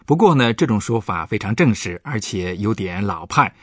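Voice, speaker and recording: A man's voice: fairly low pitch, sing-song, normal speed, husky, no echo. A man, a professor, patiently explaining German grammar points on a radio language lesson. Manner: patient, explanatory, stresses example words.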